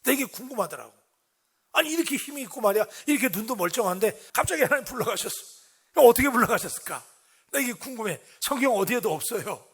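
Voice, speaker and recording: Husky high-voiced Korean pastor preaching. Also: male voice, fast talker. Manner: conversational preaching, lively questions to the congregation. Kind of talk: sermon. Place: church sanctuary.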